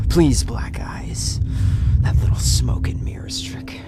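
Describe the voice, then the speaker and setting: An actor playing a sadistic, taunting psychopathic killer in a horror audio drama, with a breathy, menacing rasp. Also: male voice, medium pitch. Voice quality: breathy, whispery rasp with manic cackles. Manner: slow, drawn-out, menacing taunting. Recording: loud music under the voice.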